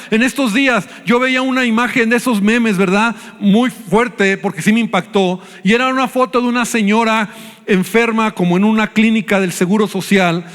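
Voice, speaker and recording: A man with a Mexican Spanish accent, a pastor preaching an animated sermon to his church and acting out the voices he quotes. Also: extremely high pitch. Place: church hall. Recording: live church hall with reverb and faint music.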